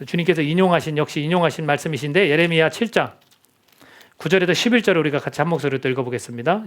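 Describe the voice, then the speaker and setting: A middle-aged male pastor delivers a sermon in a church in a fairly high voice. He talks earnestly and conversationally and keeps turning to the congregation with questions. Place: church sanctuary.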